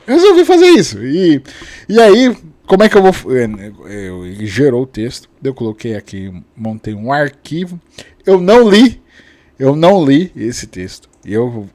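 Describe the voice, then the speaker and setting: A man in his late thirties hosting a casual vlog, rambling with many restarts and tag questions and chuckling often, with sudden lively jumps in his voice. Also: a little high, measured pace, no room sound. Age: 30s. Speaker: channel host. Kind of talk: casual talking-head vlog.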